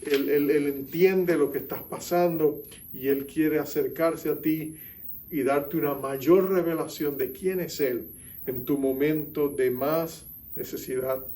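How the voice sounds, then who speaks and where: A man preaching a sermon as pastor, with dramatic pauses and hushed quoted lines. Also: a little high, fairly even intonation, far from the mic.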